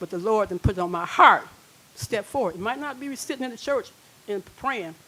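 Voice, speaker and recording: With an American accent, a woman speaks at a fairly quick pace and a fairly high pitch. Her intonation is lively, and background noise is noticeable. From Flint, Michigan. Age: 70s. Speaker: grandparent speaking at public comment. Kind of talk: public comment at school board meeting. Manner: pleading, emotional.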